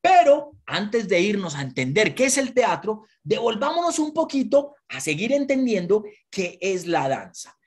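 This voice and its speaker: A woman giving a lively lesson to children, asking them questions and having them repeat words. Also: medium pitch, moderate pace, few pauses, slightly rough. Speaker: children's history presenter.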